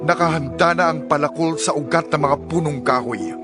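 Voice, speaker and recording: A man performs a fiery preacher of the wilderness in a dramatized scripture recording. His voice is pitched well up and he exhorts sternly, like someone calling for repentance. Music plays clearly behind him. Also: fairly quick, lightly acted. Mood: stern, rebuking. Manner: declamatory, exhorting.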